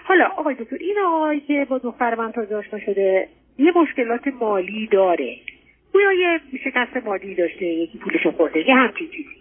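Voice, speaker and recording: A woman's voice: fairly high pitch, big pitch swings, background noise. An older middle-aged woman with an Iranian Persian accent, hesitant and politely deferential, telling her personal story as a caller on an advice line. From Iran. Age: 50s or older. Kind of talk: personal account on a radio advice call. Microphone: phone call to a radio show. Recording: tinny narrow-band phone line.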